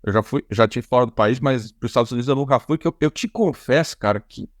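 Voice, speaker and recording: A Brazilian-accented man at a mid pitch, chatting loosely as a podcast host. He circles back on himself, restarts phrases and leans on fillers. The sound is dry and close, with no room around it. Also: fast talker, dry recording. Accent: Brazilian Portuguese. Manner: rambling, many restarts and repeated fillers. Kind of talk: casual conversational interview.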